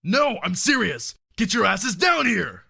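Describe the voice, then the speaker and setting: Raspy, forceful, hot-headed sheriff played by a man. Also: sits high, sing-song, a little slow, exaggerated voice. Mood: urgent, exasperated. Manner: loud, exclamatory, urgent. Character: hot-headed, flustered small-town sheriff. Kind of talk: audio drama acting.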